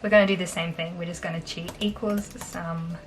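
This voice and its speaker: A young Australian woman in her twenties, chatting casually on camera in a small bedroom, upbeat and quick to laugh. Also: fairly low pitch, steady tone, music in the background. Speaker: vlogger. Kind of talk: casual talking-head finance vlog.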